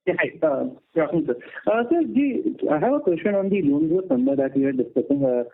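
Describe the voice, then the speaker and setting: A man calls into an earnings call over a faint phone line that sounds distant and keeps cutting out. He speaks in a fairly high voice and pauses often on filler sounds. The line is tinny and thin. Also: very animated, gravelly. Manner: hesitant, many filler sounds. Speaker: analyst caller on an earnings call. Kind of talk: earnings conference call question.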